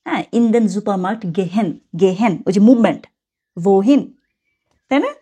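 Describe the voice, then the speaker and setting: A woman's voice: mid-range voice, lively intonation, moderate pace, dark tone, slightly rough. A woman teaching German from a textbook, chatty, explaining words step by step and correcting herself as she goes.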